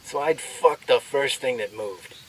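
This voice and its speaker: An actor playing a brash, crude army soldier telling jokes with swaggering military banter and drawn-out delivery. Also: male voice, mid-range voice, recorded from a distance, slight background noise, lightly acted, rough recording. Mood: cocky, joking. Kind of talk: military banter, performed joke storytelling.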